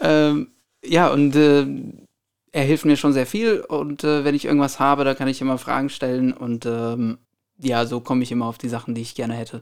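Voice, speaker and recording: Moderate pace and ordinary pitch variation from a man at medium pitch. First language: Hungarian (speaking German). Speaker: singer-songwriter. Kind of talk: casual interview.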